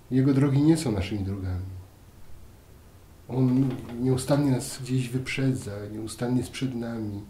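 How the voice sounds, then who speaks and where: A priest in his fifties giving a thoughtful spiritual talk to camera, asking questions and then settling into quiet answers. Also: mid-range voice. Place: dim room at a table, indoors. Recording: roomy echo, faint music.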